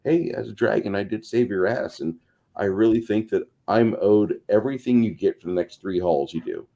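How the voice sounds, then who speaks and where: A man's voice: on the low side, moderate pace, creaky, dark tone. A man voicing a self-serving dragon ally in a tabletop game, casual and presumptuous as he claims treasure. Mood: casually presumptuous.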